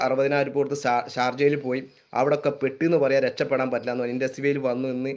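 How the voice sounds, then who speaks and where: Monotone, flat intonation in a Malappuram accent. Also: man. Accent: Malappuram Malayalam. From Kerala, Malappuram. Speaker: direct-selling business leader. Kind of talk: motivational sales talk.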